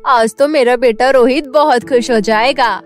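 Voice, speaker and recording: A woman voicing a shrill mean cartoon stepmother. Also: measured pace, faint music behind, lightly acted. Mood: scolding. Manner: shrill, scornful, nagging. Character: scolding mean stepmother, middle-aged woman. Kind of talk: cartoon voice acting.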